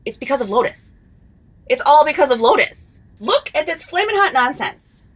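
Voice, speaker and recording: Actress doing a sneaky gossip lady, highish and swoopy. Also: very animated, moderate pace, a bit bright, low-quality recording. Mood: conspiratorial. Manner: conspiratorial, sly, dramatic.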